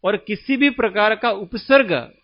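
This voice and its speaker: A man from India giving a slow, explanatory religious discourse as a spiritual teacher, often asking his listeners questions. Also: sits high, no echo, highs cut off.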